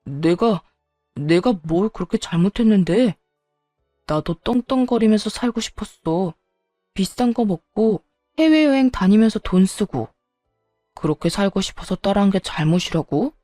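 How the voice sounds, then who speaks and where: A woman's voice: medium pitch, animated, normal speed, warm tone, no room sound, soft background music, close to an everyday voice. A woman voicing a self-pitying ex-husband who pleads, then turns petulant and defensive. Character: whiny self-pitying ex-husband, grown man.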